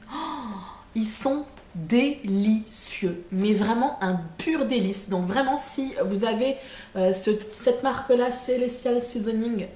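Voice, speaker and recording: A chatty woman vlogging from home, talking straight to the camera at a middling pitch. She meanders and corrects herself often, leaning on plenty of fillers. Her voice rings a little in an echoey room over a faint background hum. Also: darkish tone. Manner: chatty, hesitant, frequent fillers and self-corrections. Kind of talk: casual monthly vlog chat.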